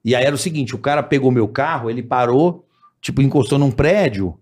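A man hosting a casual chat, telling an animated story and acting out the voices of the people in it. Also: mid-range voice, brisk. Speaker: podcast host.

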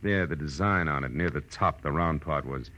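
An actor playing a tough, wry private detective, terse and sardonic, in a 1940s radio noir drama. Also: male voice, extremely low pitch, normal speed, pushed and bright, muffled recording. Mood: wry, probing. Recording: vintage radio recording with hiss.

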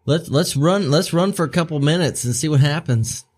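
Easygoing male player, warm dark tone, a bit husky. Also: fairly high pitch, normal speed. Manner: easygoing, joking. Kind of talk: casual chat at a game table.

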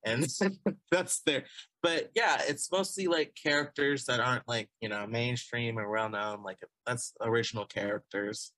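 Young man, twenties, guest, rambling casual talk, bright tone, dry sound. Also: medium pitch, unhurried, no room sound. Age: 20s. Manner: rambling, filler-heavy, laughs often. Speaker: guest artist. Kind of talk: casual conversation.

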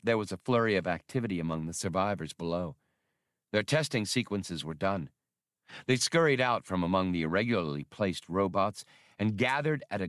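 A man narrates an adventure audiobook in a low voice. His delivery is measured and expressive, like a storyteller at work. The sound is very dry, with no room on it. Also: no room sound. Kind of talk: scripted dramatic narration of a science fiction adventure.

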